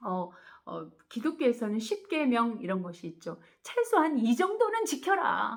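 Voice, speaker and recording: A woman speaks at a fairly slow pace. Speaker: spiritual teacher. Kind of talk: dharma talk. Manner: louder than usual.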